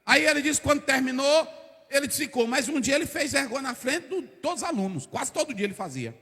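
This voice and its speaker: A pastor preaching a lively sermon, acting out the people in his stories with bursts of shouting. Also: extremely high pitch, a little fast. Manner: animated storytelling, acting out characters, shouting bursts. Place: church hall. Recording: long church hall reverb.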